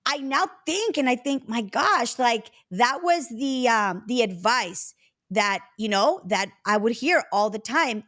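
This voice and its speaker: A woman's voice: fairly high pitch, animated, a bit bright. Reflective woman in her forties from Mexico. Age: 40s. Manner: reflective, storytelling, drawn-out phrasing with fillers. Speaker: podcast host. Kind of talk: casual interview chat.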